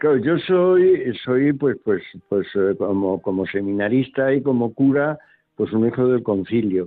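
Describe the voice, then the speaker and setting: A man speaks at a very slow pace. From Spain, Colmenar (Madrid region). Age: 70s. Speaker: retired parish priest. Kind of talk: interview. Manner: halting, many fillers and repetitions.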